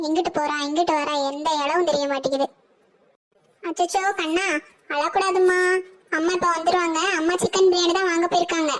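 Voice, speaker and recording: Bossy old cartoon granny, high shrill voice, scolds and nags. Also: female voice. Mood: soothing. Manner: scolding, nagging, rustic. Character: older grandmother, bossy and scolding mother-in-law.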